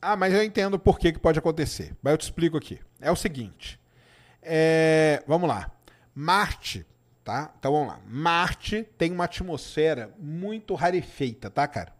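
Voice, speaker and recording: Chatty Minas Gerais-accented man, higher voice. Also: animated, moderate pace. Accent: Minas Gerais Portuguese. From Brazil. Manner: chatty, informal, answers chat questions with tag "tá?". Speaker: science show host. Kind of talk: casual live-stream chat.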